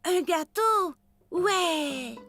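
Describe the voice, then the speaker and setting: A woman's voice: very high-pitched, expressive, extremely slow, pitched above the performer's own voice, full character voice. A woman voicing an eager, curious four-year-old boy in a children's cartoon, with a small childlike voice. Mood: eager, excited. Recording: music under the voice.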